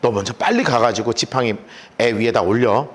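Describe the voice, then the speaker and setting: A preacher acting out an elderly male prophet who speaks slowly and calmly. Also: medium pitch, pitched below the performer's own voice, lightly acted. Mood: somber.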